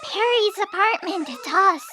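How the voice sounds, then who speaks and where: A woman's voice: extremely high pitch, lively intonation, unhurried, music in the background. A woman playing a fretful, wry female companion on a fantasy quest in scripted audio fiction. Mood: uncertain.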